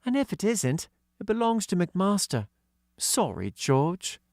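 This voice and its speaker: Practical young schoolgirl, played by a male narrator, doubtful, pitched well up, animated, for a children's adventure audiobook. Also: slow pace, no room sound, studio quality, full character voice. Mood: resigned.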